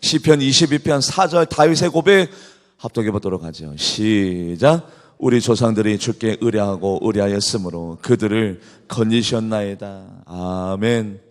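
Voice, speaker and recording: A male pastor delivering a sermon, swinging between loud shouted passages and quiet asides and leading the congregation in reading scripture aloud. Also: lowish voice, lively intonation, measured pace. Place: church sanctuary. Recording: long reverb of a church hall.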